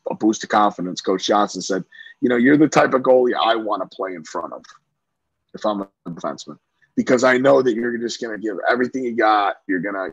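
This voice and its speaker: A man's voice: fairly low pitch, slightly rough, no room sound, rough recording. A middle-aged man from Central New York, a lacrosse coach, talking casually in an interview with lots of fillers and restarts. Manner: talkative, many fillers and restarts.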